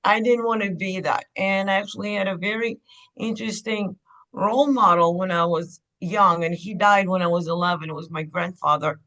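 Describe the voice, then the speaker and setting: Bright-voiced woman. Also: medium pitch, low-quality recording. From Ukraine. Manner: candid, unhurried storytelling. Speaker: guest, clinic owner. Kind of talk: podcast interview.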